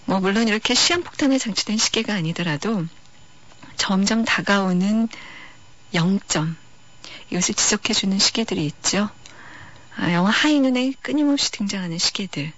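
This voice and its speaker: A woman hosting a radio film-music show, talking about films in a calm, reflective, unhurried way. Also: medium pitch. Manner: calm, reflective, unhurried delivery with soft pauses. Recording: dull lo-fi radio archive.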